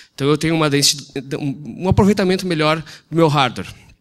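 This man's voice sits fairly high in pitch. He speaks at a fairly slow pace with ordinary pitch variation. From southern Brazil. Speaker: tech startup CTO; conference presenter. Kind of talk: conference talk. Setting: stage with audience. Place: hall.

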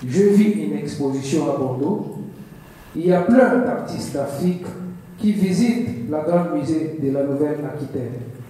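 Strong room echo surrounds a man speaking at a fairly slow pace, his pitch swinging very widely. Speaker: refugee reading poems. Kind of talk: reading aloud. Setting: stage with audience. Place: hall.

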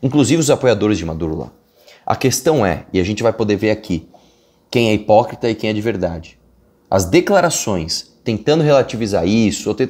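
Lively intonation marks this man's fairly low-pitched voice as he talks at a fairly quick pace. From Brazil. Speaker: political commentator youtuber; political commentator. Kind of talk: video commentary. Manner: animated. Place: home room. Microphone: earbuds.

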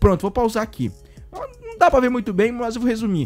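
A man's lively intonation and animated tone. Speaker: gaming YouTuber. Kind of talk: gameplay video commentary.

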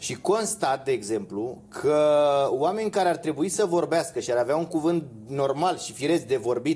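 A man with a fairly high pitch speaks at a moderate pace with lively intonation. His tone is dark and mellow, and somewhat breathy. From Romania. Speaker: journalist; guest, political commentator. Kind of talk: heated debate. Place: studio.

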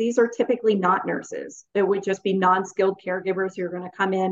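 A woman speaks at a medium pitch. Light background noise can be heard. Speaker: long-term care planner. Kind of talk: webinar presentation. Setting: video call.

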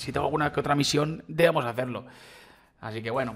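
Speaking with a Spanish accent, a man talks at a very fast pace. His voice is somewhat breathy and fairly high in pitch. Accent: Peninsular Spanish. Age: 30s. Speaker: gaming youtuber. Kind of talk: gameplay commentary. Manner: animated.

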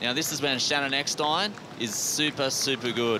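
Amid noticeable background noise, a man speaks in an animated tone at a moderate pace. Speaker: sports commentator. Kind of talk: live sports commentary. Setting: outdoors at beach event, broadcast. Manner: animated, fluent play-by-play.

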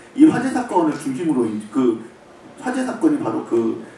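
Audible room echo surrounds a man talking at a fairly quick pace. Light background noise is present. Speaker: reporter. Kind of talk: press conference questioning. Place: hall.

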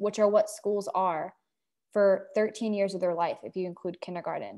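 A woman talks at a medium pitch and a moderate pace, with fairly even intonation. Her tone is dark and mellow, against a quiet background. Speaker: debate moderator. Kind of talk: moderated panel debate. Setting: video call. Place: home room. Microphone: earbuds.

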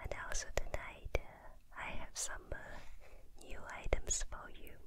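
A soft-spoken woman whispers at a fairly slow pace, the sound dry with no echo despite loud background noise. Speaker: ASMR creator. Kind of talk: soft ASMR show-and-tell chat. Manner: soft close-mic ASMR whisper. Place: home room. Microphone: studio mic.

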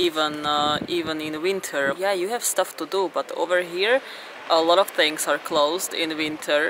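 A woman speaks at a moderate pace in an unremarkable speaking voice, fairly low in pitch with ordinary pitch variation. Light background noise is present. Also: dry sound with no echo. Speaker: travel vlogger. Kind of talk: casual vlog chat. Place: waterside. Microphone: phone near.

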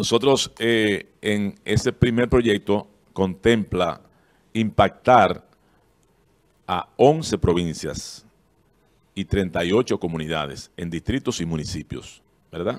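A man at a very slow pace, fairly low in pitch, with lively intonation, long and frequent pauses, and a quiet background. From Dominican Republic. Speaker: government agency director. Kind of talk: TV interview. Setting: TV studio. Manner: halting. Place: studio. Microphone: handheld.

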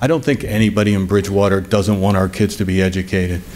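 With an American accent and an unremarkable speaking voice, a man of fairly low pitch talks at a fairly quick pace with fairly even intonation. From Pennsylvania. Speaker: education advocate, resident; resident at public comment. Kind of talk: public comment. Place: meeting room. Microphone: podium.

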